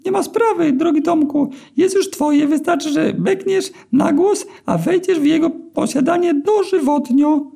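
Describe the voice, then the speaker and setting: A man voicing a squeaky, fawning magical male white eel that grants wishes, in a read-aloud story. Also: a little slow, creaky, mellow, full character voice. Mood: obliging. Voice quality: squeaky, thin little voice. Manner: fawning, obliging. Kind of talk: storytelling character voice.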